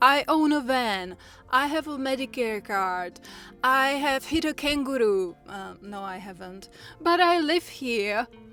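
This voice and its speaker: A woman with a high pitch uses a raised, projected voice and lively intonation at a fairly slow pace, her loudness swinging widely. Music plays in the background. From Czech Republic. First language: Czech. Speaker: flight instructor. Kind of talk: casual talk to camera.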